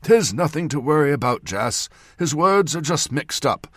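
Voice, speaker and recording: A man voicing a reassuring old ship's surgeon in an audiobook, talking loudly and briskly to his patient. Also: fairly high pitch, expressive, no echo, clean studio sound, voice pushed up. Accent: northern. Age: older. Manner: loud, reassuring, brisk bedside talk. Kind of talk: audiobook character voice.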